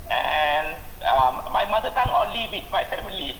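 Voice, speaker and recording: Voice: medium pitch, very animated, moderate pace, a bit bright, reverberant, a little hiss or hum, low-quality recording. Hesitant student from Malaysia. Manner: hesitant, with many fillers. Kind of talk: casual answer in class.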